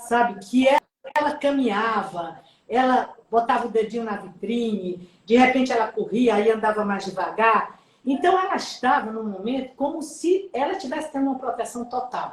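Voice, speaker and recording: A high-pitched woman speaks at a moderate pace with lively intonation. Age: 70s. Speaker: self-esteem / NLP speaker. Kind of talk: live-stream interview conversation. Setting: live stream.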